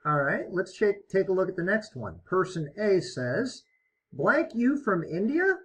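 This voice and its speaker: A man teaching an online English lesson, explaining step by step in a slow, encouraging way. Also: high-pitched, very animated, husky. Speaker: ESL teacher.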